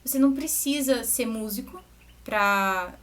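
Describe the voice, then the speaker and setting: A young adult woman, a music teacher, explaining to parents in a relaxed, conversational way with asides and restarts. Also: a little high, unhurried. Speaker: music teacher and channel host. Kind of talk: educational talk to parents.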